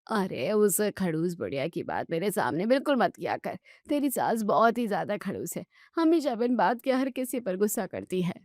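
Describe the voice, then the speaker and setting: Woman putting on a slow grumbling old woman. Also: medium pitch, big pitch swings, darkish tone, dry recording, clean studio sound, close to an everyday voice. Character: lonely hungry old neighbor woman, grumbling.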